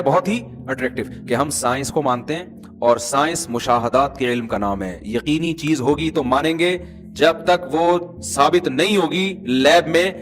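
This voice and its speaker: Animated man preaching a lively sermon. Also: on the high side. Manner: animated, rhetorical, teasing the audience. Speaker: Islamic preacher. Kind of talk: conversational sermon.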